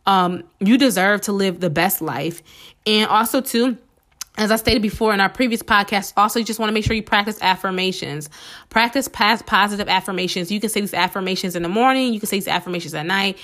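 A woman hosting a casual solo podcast, chatty and encouraging with many fillers, her voice slightly hoarse from a cold. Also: mid-range voice, fairly quick, a bit bright. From United States. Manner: chatty and encouraging, many "um"s, addresses listeners as "y'all". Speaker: podcast host.

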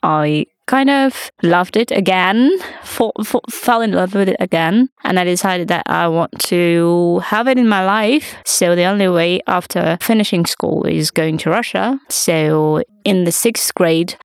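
Young woman from Vietnam, low creaky voice. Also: measured pace, few pauses, no echo, studio quality. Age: young adult. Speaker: university student guest. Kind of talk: interview answers.

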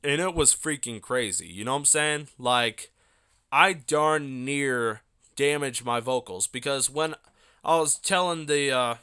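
A young man hosts his own podcast in a medium-pitched, pushed and bright yet smooth voice, taking his time. It's casual solo talk, rambling and loose, packed with fillers and asides.

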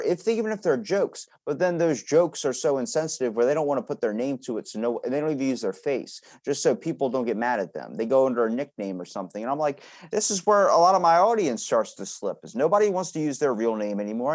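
A man's voice: mid-range voice, a little mellow. A man hosting a podcast, chatting casually and bluntly with loose, sweary, conversational delivery. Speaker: podcast host.

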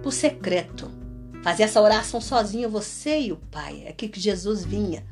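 A woman from Minas Gerais with a mineiro accent, a teacher and Christian preacher giving a casual testimony, animated and laughing often as she mimics prayers. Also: mid-range voice, normal speed, soft background music. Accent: Minas Gerais Portuguese. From Minas Gerais, Brazil.

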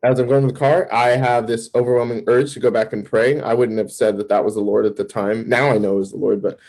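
Male campus minister, interview guest. Mellow, slightly raspy tone. Animated storyteller who acts out his old thoughts, talking in quick bursts. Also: mid-range voice, poor audio. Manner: fast bursts with restarts and fillers. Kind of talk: personal testimony in an interview.

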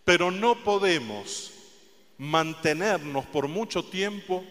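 Slow-speaking preacher man in a reverberant hall. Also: sits high, slight background noise. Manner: slow, deliberate, soft emphasis on quoted words. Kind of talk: sermon. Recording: long reverb of a large hall.

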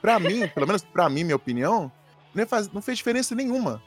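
A man's voice: high voice, big pitch swings, quick pace, husky, faint music behind. A man with a Brazilian accent joking around in a casual podcast chat. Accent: Brazilian Portuguese. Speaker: podcast co-host.

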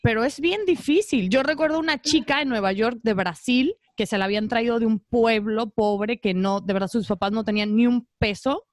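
A woman's voice: on the high side, normal speed, hardly any pauses, no room sound. A woman with a Mexican accent, a former model, telling stories in casual chat and acting out quoted voices. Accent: Mexican Spanish. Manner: animated storytelling, acts out quoted voices. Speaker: podcast guest, former model.

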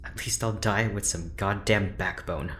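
An actor playing a grave, principled prisoner in an audio drama, formal and measured, stiffly doubtful. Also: low-pitched, a bit bright, faint music behind. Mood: defiant.

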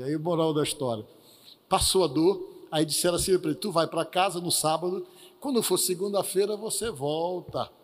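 Brief: Brazilian male preacher, high-pitched, telling a lively testimony, reverberant church. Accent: Brazilian Portuguese. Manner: lively storytelling with acted quotes. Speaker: pastor. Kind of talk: sermon testimony storytelling.

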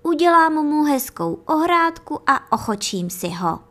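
A woman's voice: high-pitched, voice pushed up. Woman doing an eager schoolboy from a storybook. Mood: eager, dreamy. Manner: excited, dreamy chatter. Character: eager young schoolboy, dreamy and excited.

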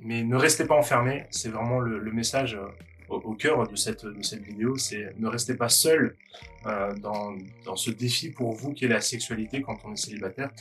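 A man hosting a Christian video talk, encouraging viewers with many halting restarts. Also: fairly low pitch, a bit bright, soft background music. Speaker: host of Christian video channel.

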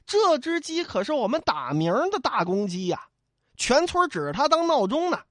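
A male storyteller voicing a young inn waiter who complains in a shrill, whining way. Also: wildly swooping pitch, normal speed, a bit bright, no room sound, studio quality, heavily acted. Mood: indignant.

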